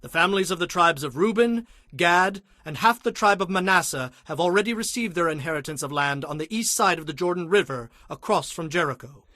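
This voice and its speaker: Prophet leader, high pitch, dry close sound, declamatory, commanding, scripture audio drama. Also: male voice, expressive, brisk, hardly any pauses, sharp tone, no echo.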